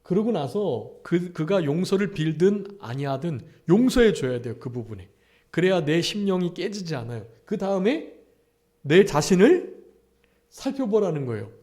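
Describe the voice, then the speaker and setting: Animated, high-voiced male pastor preaching. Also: moderate pace. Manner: asks the congregation rhetorical questions. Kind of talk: Sunday afternoon sermon. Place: church service.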